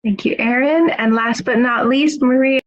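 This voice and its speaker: A woman's voice: a little high, moderate pace, highs cut off. A woman moderating an online student panel in a friendly, encouraging way. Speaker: webinar moderator.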